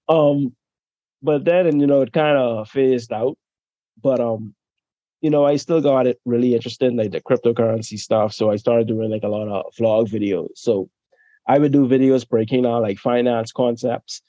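Relaxed Bahamian man, dark muffled audio. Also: mid-range voice, moderate pace, dry recording. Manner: relaxed, laughs often, trails off softly. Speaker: guest. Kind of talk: casual interview chat.

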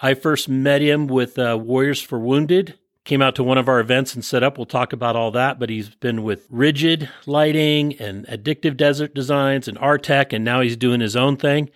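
A man's voice: medium pitch, dry recording, studio quality. A man from Northern California hosting an off-road interview podcast, reading his intro and ads, then chatting with his guest. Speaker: podcast host.

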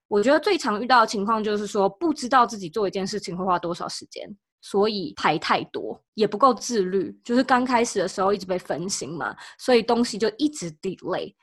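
A woman's voice: medium pitch, animated, brisk, few pauses, a bit bright, dry recording, clean studio sound. A woman guest, explaining practical advice step by step in a casual interview.

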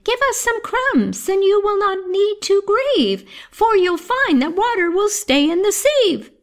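A woman's voice: very high voice, very animated, a little slow, pitched above the performer's own voice, heavily acted. A woman voicing a small chirping wren in a storybook reading. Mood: helpful.

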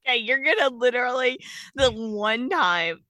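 A woman's voice: on the high side, lively intonation, moderate pace, bright, forceful tone, dry recording, poor audio. A young woman co-hosting a podcast over a video call, chatting casually and laughing often. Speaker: podcast co-host. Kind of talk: casual chat.

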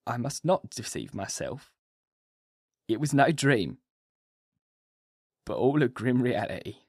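A man's voice: mid-range voice, animated, slow, husky, dry recording, clean studio sound, full character voice. A man voicing a dying male asylum patient who talks in urgent, strained pleading. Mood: haunted.

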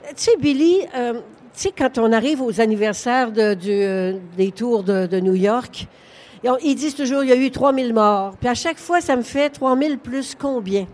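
Her voice is on the high side and moves at a normal speed: an older Québécois woman, the novelist guest in a conversational book fair interview on stage. She speaks frankly, laughs frequently, and tells her stories with animation.

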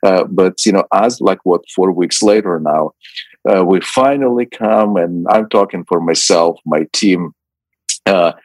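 A man's voice: deep voice, a little slow, no room sound, poor audio. A middle-aged man from Ukraine, speaking as a guest in a radio interview, hesitant and full of fillers and restarts. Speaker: ministry president, guest.

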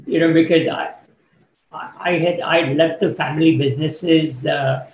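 A middle-aged man, born in Kenya and raised in the UK, answering interview questions as a business coach in a thoughtful, measured way with fillers. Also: a little high, fairly even intonation. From born in Kenya, grew up in the UK. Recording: echoey room, faint background noise.

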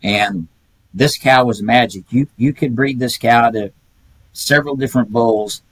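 Older man, husky voice, dry close sound, folksy chatty storyteller. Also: medium pitch, a little slow, dry recording, poor audio. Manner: folksy storytelling, chuckles often. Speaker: guest, retired pedigree reader. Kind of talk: casual podcast chat.

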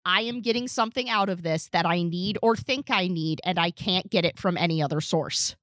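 A woman's voice: lowish voice, fairly quick, fairly bright tone, no room sound, studio quality. A woman co-hosting a podcast, talking casually and with firm opinions about a book. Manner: emphatic, opinionated, joking. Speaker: podcast co-host. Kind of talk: casual book-club chat.

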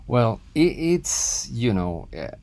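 A film director born in Spain and raised in Argentina, talking casually as a guest with many restarts and fillers. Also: male voice, medium pitch, very animated, slow pace, a little mellow. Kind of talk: casual interview talk.

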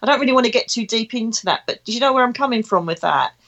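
A woman's voice: on the high side, animated, racing, fairly bright tone, muffled recording. A woman with an Essex accent speaking as a podcast host in a conversational, emphatic spiritual monologue. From Essex, England. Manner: chatty and emphatic, with rhetorical questions. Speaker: podcast host and psychic medium.

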